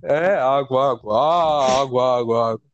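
A man's voice: mid-range voice, measured pace, muffled recording, pitched below the performer's own voice, lightly acted. A man voicing a pushy male street water seller who repeats one word over and over in a droning sales call.

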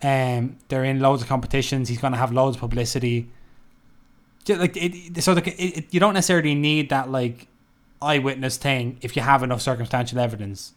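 Podcast co-host guy, easygoing, quick asides, normal pitch. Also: steady tone. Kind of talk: casual chat.

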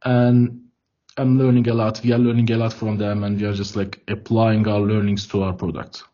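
A man's voice: on the low side, flat delivery, normal speed, dark tone. Hesitant Turkish-accented man on a call. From Turkey. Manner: hesitant, repeats words and leans on filler words. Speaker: guest, product head of a developer tool startup. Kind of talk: casual interview answers. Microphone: video call. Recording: dull lo-fi call audio.

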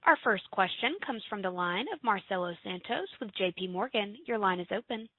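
A woman working as a conference call operator, giving scripted announcements in a husky voice over a thin telephone line. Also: medium pitch, a little fast, no echo.

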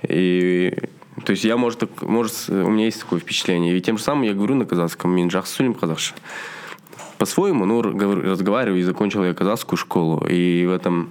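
A young man with a Kazakh accent talks in a very deep, low register. He chats casually and animatedly, speaking in quick bursts with frequent fillers. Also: a little mellow, smooth. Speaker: podcast host. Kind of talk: casual chat.

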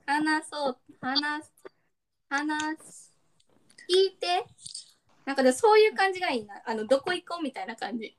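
High-voiced Kansai woman, playful chat. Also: lively intonation, moderate pace, pauses often. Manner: playful, laughs often. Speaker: podcast co-host. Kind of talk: casual brainstorming chat.

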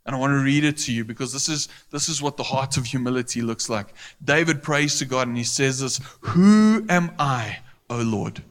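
A man's voice: mid-range voice, steady tone, fast talker, few pauses, fairly bright tone. Earnest male preacher in a reverberant hall. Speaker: pastor. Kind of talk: sermon.

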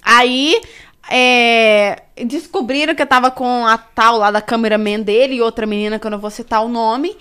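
A woman's voice: on the high side, normal speed, smooth. A young woman telling a personal story as a podcast guest, swearing freely and acting out what people said. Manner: animated, swears freely, acts out quoted speech. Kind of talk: casual storytelling.

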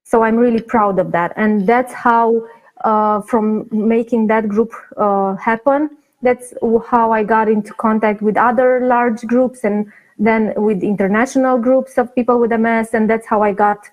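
A woman from Romania, a guest answering in an interview over a video call, pausing often with fillers. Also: a little high, steady tone, a little mellow, low-quality recording. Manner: hesitant, many fillers and restarts. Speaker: guest, patient advocate.

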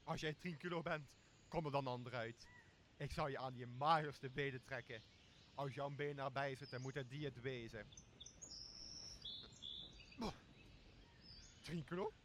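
A man's voice: medium pitch, fairly even intonation, moderate pace, a bit bright, slight background noise, lightly acted. A young man playing a boozy, blustering, greedy castaway in a Shakespeare radio play, with a coarse and bossy manner. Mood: boisterous. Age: young adult. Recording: clear outdoor nature sound behind voice.

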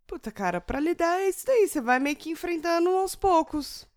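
A woman's voice: very high voice, lively intonation, brisk, darkish tone, no echo, studio quality. Laughing, teasing woman. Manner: laughs often, swears, teasing. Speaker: podcast co-host. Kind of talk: casual chat.

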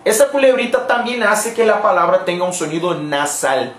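A woman's voice: lowish voice, lively intonation, moderate pace, roomy sound, slight background noise. A woman teaching Portuguese pronunciation in a live online lesson, explaining patiently and repeating the model words. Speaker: Portuguese teacher for Spanish speakers.

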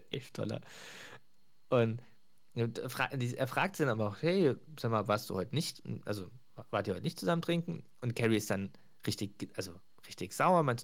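A man hosting a podcast, casually retelling sitcom scenes, often laughing and lightly acting out the quotes. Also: medium pitch. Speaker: podcast host.

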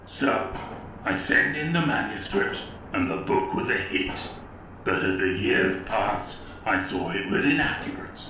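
A man's voice: sits low, lively intonation, a little slow, pushed and bright, heavily acted. An actor playing a bitter, pompous older writer, narrating his own story in a scornful way in an audio drama. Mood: wry, regretful. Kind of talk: dramatic first-person narration. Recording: very echoey, distant from mic, faint noise.

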